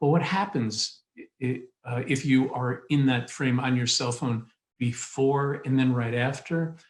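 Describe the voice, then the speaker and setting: Somewhat breathy, fairly slow speech with an American accent. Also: man, medium pitch for a man. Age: 60s. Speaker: music industry education director. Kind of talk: motivational talk on a web panel. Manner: animated.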